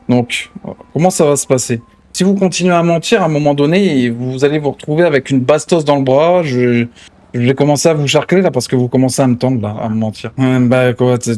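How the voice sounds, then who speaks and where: A man's voice: mid-range voice, mellow. A man improvising dialogue in an online game roleplay, speaking in a commanding, slangy and casual way. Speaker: streamer role-playing a gang boss in an online game.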